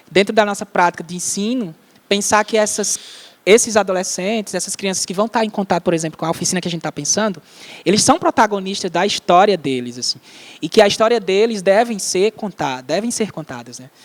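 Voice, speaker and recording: A man's high voice at a fairly quick pace, with ordinary pitch variation, big swings in loudness, and a dry, close sound with no echo. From Cariri region, Ceará, Brazil. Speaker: theatre teacher and writer. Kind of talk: casual chat.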